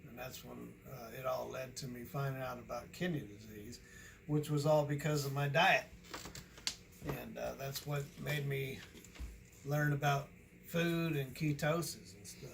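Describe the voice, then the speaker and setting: A man's voice: medium pitch, fairly even intonation, unhurried, gravelly, background noise. An American man in his sixties, a trucker chatting casually in a folksy, rambling way. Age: 60s. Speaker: owner-operator trucker and vlogger. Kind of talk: casual chat on a phone call and to camera.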